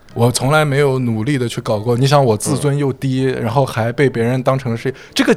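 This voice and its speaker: A man with an unremarkable speaking voice talks at a fairly quick pace at a medium pitch with ordinary pitch variation. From Hunan and Xinjiang, China (moved often). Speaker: podcast guest telling life stories. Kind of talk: casual chat.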